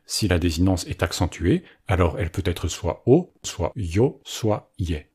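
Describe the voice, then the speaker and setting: A man narrating a scripted language lesson as its teacher, with a clear, explanatory delivery. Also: sits low, big pitch swings, normal speed, darkish tone.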